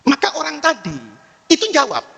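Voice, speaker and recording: A male preacher telling a story in a sermon, animated and switching into lower voices for the characters. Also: brisk, creaky, long reverb tail.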